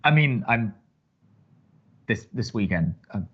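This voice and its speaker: A man playing a reluctant college radio co-host in an audio romantic comedy, dry and exasperated, halting when flustered. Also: lowish voice, expressive, dull audio. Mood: flustered, hesitant.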